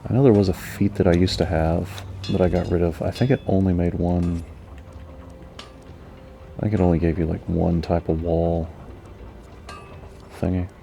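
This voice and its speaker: A man giving calm gaming commentary, musing slowly and mellowly to himself. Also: deep voice, vocal fry. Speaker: gamer.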